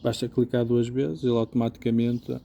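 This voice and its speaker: A man's voice: mid-range voice, level tone, brisk, vocal fry, mellow, dull audio, slight background noise. A man with a European Portuguese accent giving a casual, informal hands-on product review, explaining things step by step. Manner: informal, explanatory, often checking with "ok?". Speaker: motorcycle gear reviewer.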